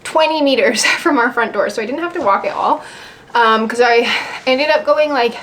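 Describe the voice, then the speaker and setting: A woman's voice: on the high side, normal speed, a bit bright, rough recording. A woman chatting casually to the camera as a vlogger, indoors at home. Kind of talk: casual vlog chat. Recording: light ambient background noise.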